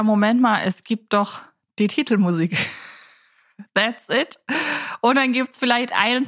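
A woman co-hosting a podcast in a chatty style, often speaking straight to the listeners. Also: medium pitch. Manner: chatty, addresses listeners directly. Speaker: podcast co-host.

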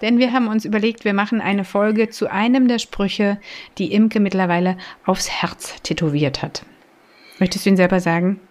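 A woman with a Berlin accent co-hosting a podcast, bantering in a quick, chatty way. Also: mid-range voice, steady tone. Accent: Berlin German. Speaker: podcast co-host. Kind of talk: casual podcast chat. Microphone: remote call.

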